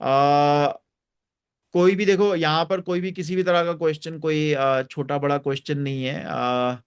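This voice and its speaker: High-voiced man hosting a reflective talk. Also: fairly even intonation, clean tone. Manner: emphatic, drawn-out stress on key phrases; warm, encouraging invitations to share. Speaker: host and reflection guide. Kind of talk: reflective talk to a live group.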